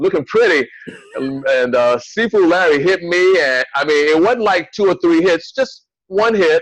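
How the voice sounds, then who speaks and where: With an American accent, a man speaks at a moderate pace. His voice is high, with lively intonation. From North Carolina. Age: 60s. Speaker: martial arts instructor. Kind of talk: interview conversation.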